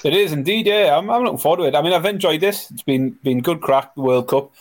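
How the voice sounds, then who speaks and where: A man's voice: a little high, fast. A man co-hosting a podcast, chatting casually and colloquially about sport. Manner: informal, colloquial. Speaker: podcast co-host.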